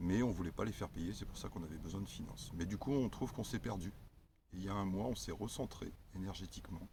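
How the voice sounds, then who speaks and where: Very fast, somewhat breathy speech from a man at a fairly low pitch with ordinary pitch variation. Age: 50s. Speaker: wellness practitioner. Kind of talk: casual self-introduction. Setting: outdoors. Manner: hesitant, many fillers.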